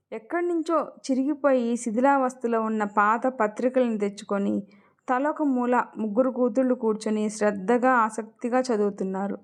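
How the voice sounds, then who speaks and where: A woman narrating an emotional story in a measured, expressive reading. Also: on the high side.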